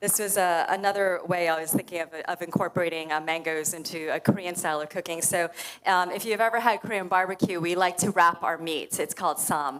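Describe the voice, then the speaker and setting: With a New Jersey accent, a woman talks at a fairly quick pace. She barely pauses and keeps her intonation fairly even. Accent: American, New Jersey. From US, New Jersey. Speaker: chef. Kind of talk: interview. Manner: hesitant, many fillers.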